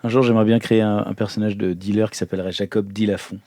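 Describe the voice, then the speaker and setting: A man's voice: lowish voice, little pitch movement, fast talker, warm tone, slight background noise. A man playing a tabletop game, chatting casually and joking with the others. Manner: joking, bantering.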